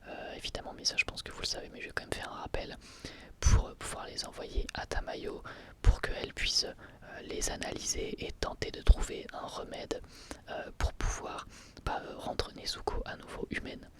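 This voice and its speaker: A man whispering an ASMR review of an anime episode as the channel host, speaking hesitantly with frequent filler sounds and restarts. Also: normal speed. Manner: soft whisper throughout.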